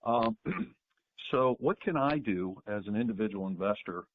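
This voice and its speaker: A man phones in as an individual investor with an informal question. His voice is fairly low. The line is dull, with a faint hiss behind it. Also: sing-song, moderate pace. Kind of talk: informal question on an earnings call.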